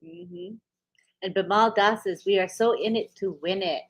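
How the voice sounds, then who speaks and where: A woman's voice: mid-range voice, a little slow, slightly rough. An older woman co-hosting a casual live-stream chat, greeting viewers in a friendly way and laughing easily.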